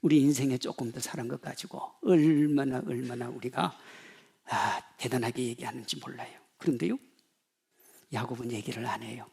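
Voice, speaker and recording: A pastor in his fifties preaching a sermon, swinging from loud emphasis to hushed asides and acting out quoted voices. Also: medium pitch, normal speed, gravelly, husky. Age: 50s.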